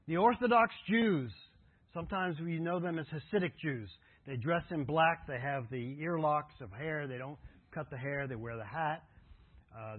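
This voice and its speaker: A man's voice: medium pitch, no room sound. A man preaching a sermon, telling travel stories in a conversational way and then earnestly urging his congregation toward devotion. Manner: conversational storytelling, earnest exhortation. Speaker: pastor. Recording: tinny phone-like audio.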